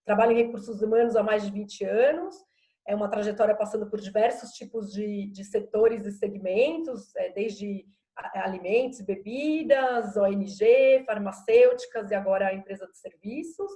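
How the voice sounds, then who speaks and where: A woman's voice: mid-range voice, moderate pace, warm tone. A woman in her forties, a guest HR director, introducing herself in a composed, orderly way. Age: 40s. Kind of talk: self-introduction on a live talk.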